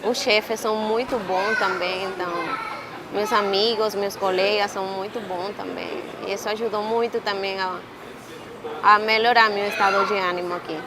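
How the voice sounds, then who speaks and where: A Venezuelan woman in her twenties with a Venezuelan Spanish accent, speaking Portuguese as a second language and telling her own story with pauses as she searches for words. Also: medium pitch, fairly even intonation, heavy background noise. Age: 20s. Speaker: interviewee. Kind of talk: casual personal account.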